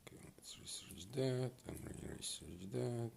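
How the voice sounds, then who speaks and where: Slow, gravelly man. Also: mid-range voice, a little mellow, in a whisper. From Bosnia and Herzegovina. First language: Bosnian. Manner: laid-back, musing aloud to himself. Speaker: mobile game streamer. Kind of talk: casual gameplay commentary.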